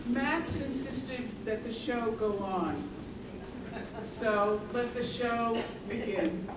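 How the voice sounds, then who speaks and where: A woman's voice: on the high side, slow pace. A woman informally introducing speakers as host of a live event. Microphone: shared event microphone. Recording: echoey room, distant, clearly noisy.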